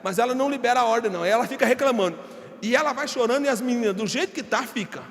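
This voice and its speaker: A man's voice: very high-pitched, expressive, very fast, slight background noise. A man in his forties preaching a sermon, emphatic, calling the congregation brother. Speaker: pastor. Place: church hall. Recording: long reverb of a church hall.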